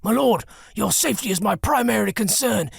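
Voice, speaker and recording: A man voicing a big, loyal, formal bodyguard with a gravelly, husky voice. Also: high-pitched, expressive, fairly quick, no room sound, clean studio sound, pitched above the performer's own voice, heavily acted. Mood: dutiful. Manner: formal and dutiful, calls his master "my lord".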